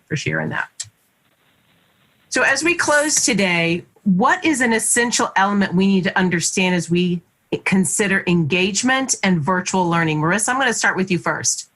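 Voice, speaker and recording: Woman, panel moderator, appreciative, mid-pitched voice. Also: a bit bright. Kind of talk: webinar panel discussion.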